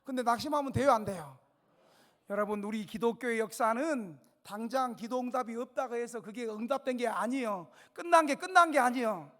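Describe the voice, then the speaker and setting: A man's voice: very high voice, fairly quick. A man preaching a dramatic revival sermon in a reverberant church. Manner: dramatic storytelling, swinging between hushed and loud; questions the congregation directly. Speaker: pastor. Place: church sanctuary.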